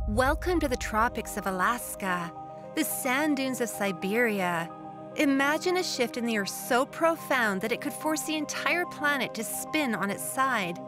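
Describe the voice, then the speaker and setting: Music plays behind a woman speaking at a fairly slow pace with hardly any pauses. Her medium-pitched voice swings very widely. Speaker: voice actor. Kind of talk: documentary narration.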